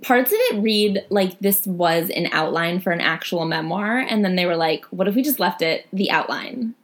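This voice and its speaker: Woman, lowish voice, casual podcast chat, thoughtful, lots of fillers. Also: normal speed. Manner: thoughtful, uses many fillers. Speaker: podcast co-host.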